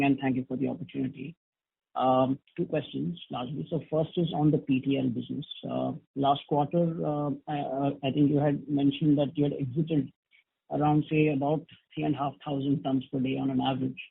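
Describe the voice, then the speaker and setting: Phone-quality audio, man, gravelly, analyst questioning on an earnings call, polite, halting, fairly even intonation. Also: medium pitch. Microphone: phone conference call. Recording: muffled, narrow phone line.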